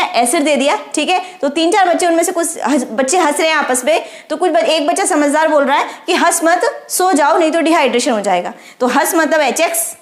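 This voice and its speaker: A woman teaching chemistry with a memory trick, who asks the class questions and answers them herself. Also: sits high. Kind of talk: explaining a lesson with a memory trick. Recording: roomy echo.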